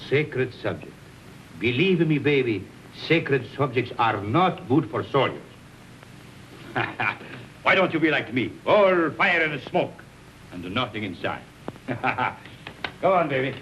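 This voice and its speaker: A boisterous drunken Italian-accented officer. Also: male voice, medium pitch, expressive, takes it slowly, pauses often, a bit bright. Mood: drunk teasing. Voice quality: mocking, laughing, theatrical. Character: boisterous drunken male officer, teasing and swaggering. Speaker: army officer. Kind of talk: 1930s film acting. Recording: muffled old film soundtrack with hiss.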